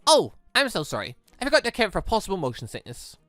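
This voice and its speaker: A man's voice: high-pitched, huge pitch swings, quick pace, sharp tone, dry recording, studio quality, soft background music, heavily acted. A man voicing a kind, earnest, cheerful girl who is eager to help, in a visual novel. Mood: concerned. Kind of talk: reading a visual novel aloud.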